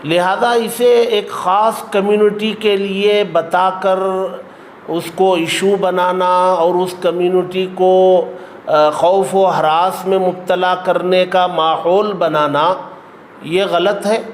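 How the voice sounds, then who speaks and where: An Indian man speaks in a high-pitched voice at a slow, measured pace, making a formal press statement. He is emphatic and repeats phrases for weight. The room is echoey. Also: fairly even intonation. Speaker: community spokesman at a press conference. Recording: echoey room with clear background noise.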